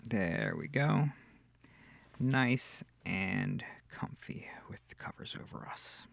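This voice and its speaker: A sweet, comforting incubus demon played by a man speaks close and dry in an ASMR roleplay. His voice is soft and breathy with a touch of gravelly creak, and he takes his time, tender and a little hesitant. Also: lowish voice, wildly swooping pitch, takes it slowly, no echo, full character voice. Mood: gently obliging. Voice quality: breathy, often near whispering. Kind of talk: intimate ASMR audio roleplay.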